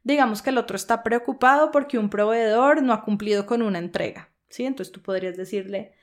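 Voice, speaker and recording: A woman's voice: fairly high pitch, fairly quick. A woman podcast host teaching coaching skills for leaders, explaining step by step and often checking in with a questioning "¿sí?". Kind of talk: instructional podcast talk.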